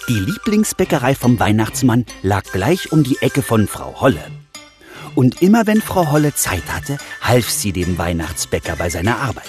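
A man narrating a Christmas fairy tale for children in a storytelling manner. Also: on the low side. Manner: warm storytelling.

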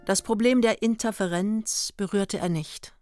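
A woman narrating a literary radio play in a measured, matter-of-fact storytelling manner. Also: medium pitch, mellow. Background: music.

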